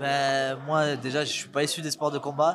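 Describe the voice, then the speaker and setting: A man's fairly high voice comes out at a fairly quick pace. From southern France, Montpellier. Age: 20s. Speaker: MMA fighter. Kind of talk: interview. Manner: halting.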